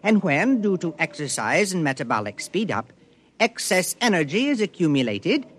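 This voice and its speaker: An actor playing a calm alien explorer who glows and eats rock, speaking formally and precisely without contractions, in a radio drama. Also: male voice, a little high, moderate pace, slight background noise. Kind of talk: 1950s radio drama acting.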